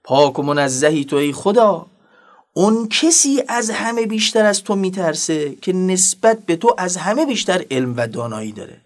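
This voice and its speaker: A male preacher giving a sermon, formal and earnest, moving between strong emphasis and soft, quiet asides. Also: high-pitched, big pitch swings.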